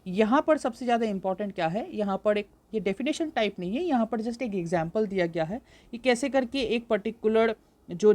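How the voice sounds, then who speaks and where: A young woman, tutoring for an exam and explaining slowly, mixing in English terms, with frequent fillers. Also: mid-range voice, dark tone. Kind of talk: exam-prep lecture.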